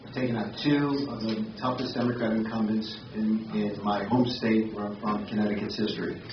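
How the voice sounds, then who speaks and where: A man's voice: on the low side, level tone, fairly quick, music in the background. A man giving a pointed campaign speech at a forum. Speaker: candidate at a forum. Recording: echoey hall, far mic, muffled.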